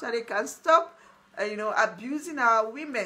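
At a moderate pace, a woman speaks with a high pitch. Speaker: online group host. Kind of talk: casual live stream talk. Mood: lively, laughing at times. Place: kitchen. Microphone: phone near.

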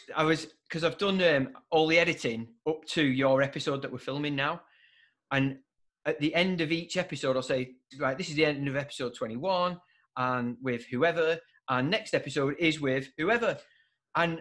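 A man with a Lancashire accent, fairly high pitch and long, frequent pauses, on a very clean recording with a silent background. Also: ordinary pitch variation, moderate pace. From Wigan, northern England. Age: 40s. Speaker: podcast host and scuba diver. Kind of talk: casual chat.

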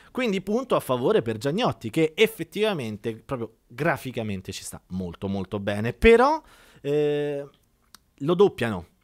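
A man's fairly high voice at a moderate pace, with very wide pitch swings and big swings in loudness, over a quiet background. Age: 30s. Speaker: film critic; film reviewer podcast host. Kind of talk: casual chat. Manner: halting. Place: studio. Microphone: studio mic.

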